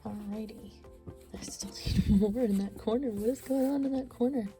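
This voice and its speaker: A woman with a stuffy nose teaching a crochet tutorial, counting stitches aloud and often sinking to a soft near-whisper. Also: fairly high pitch, normal speed, faint music behind. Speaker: crochet instructor. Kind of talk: step-by-step craft tutorial.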